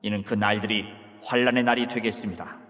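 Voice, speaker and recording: A man playing Jesus as a calm teacher, giving measured, solemn lines in a dramatized Bible reading. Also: fairly low pitch, close to an everyday voice. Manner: measured, solemn archaic delivery. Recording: long hall reverb.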